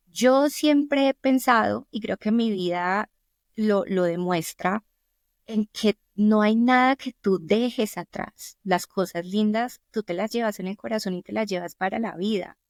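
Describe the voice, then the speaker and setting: Recorded dry with studio quality, a middle-aged woman from Colombia speaks in a Colombian Spanish accent as a podcast guest. In conversation, she tells earnest stories from her own life, her mid-range voice keeping a measured pace.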